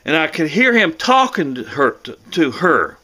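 Middle aged american guy, kinda high bright voice, folksy rambling story, keeps repeating himself. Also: very animated, moderate pace, low-quality recording. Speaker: vlogger. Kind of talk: casual rambling personal storytelling to camera.

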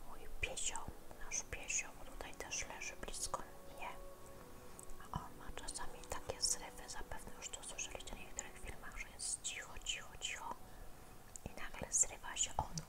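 A woman whispering casual, unhurried ASMR commentary as she plays a game, thinking aloud. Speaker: host of a relaxing gaming channel.

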